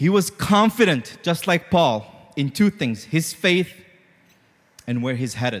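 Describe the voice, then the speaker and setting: Fairly high-pitched man's voice with a non-native accent, very wide pitch swings and a fairly slow pace. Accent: foreign. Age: 30s. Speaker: small group leader preaching at church. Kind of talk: sermon. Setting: church service.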